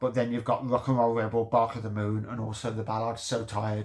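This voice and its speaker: Speaking at a fairly quick pace, a man uses a Birmingham accent and a medium pitch. His voice is somewhat breathy, and the recording is very clean with a silent background. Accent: Brummie. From Birmingham, England. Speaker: music collector vlogger. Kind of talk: casual haul video monologue. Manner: hesitant with fillers.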